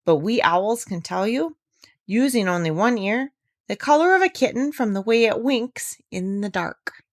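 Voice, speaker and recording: A woman's voice: on the high side, expressive, normal speed, no room sound, clean studio sound, natural voice. A woman voicing a proud, self-assured owl in a storybook, speaking with insistence and precision. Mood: insistent, proud. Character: self-assured owl, keen listener, proud of sharp ears.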